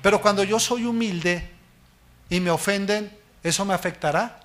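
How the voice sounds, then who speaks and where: A man preaching a sermon as pastor, asking the congregation questions and answering them himself, and letting his voice fall low and soft at the ends of phrases. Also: moderate pace. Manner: speaks directly to the listener as "hermano".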